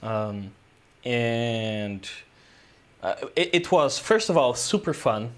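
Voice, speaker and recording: A man's voice: medium pitch, animated, takes it slowly. A man, a guest filmmaker telling a story in a casual interview, rambling loosely with lots of "uh" and "um". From Brazil.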